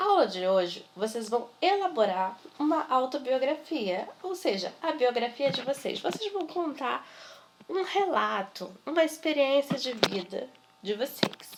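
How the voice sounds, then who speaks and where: A woman speaks at a fairly slow pace with a high pitch and very wide pitch swings, over noticeable background noise. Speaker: schoolteacher. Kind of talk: online class lecture.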